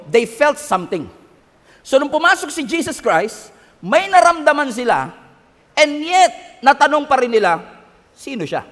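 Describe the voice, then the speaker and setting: High voiced pastor guy preaching, mixing tagalog and english, echoey church hall sound. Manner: Taglish preaching, animated, calls for amens. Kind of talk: sermon. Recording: long reverb of a hall.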